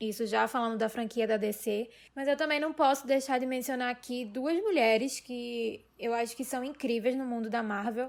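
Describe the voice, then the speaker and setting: Her pace is moderate and her pitch high. The woman's intonation is fairly even. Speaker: podcast co-host. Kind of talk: casual podcast chat.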